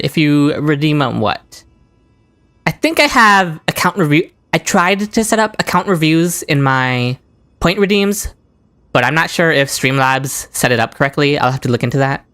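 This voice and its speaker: A man's voice: fairly high pitch, animated, normal speed, a bit bright, no echo. A young man casually commenting on a game while live-streaming, chatty and giggly as he answers his chat. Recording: stream with game music behind.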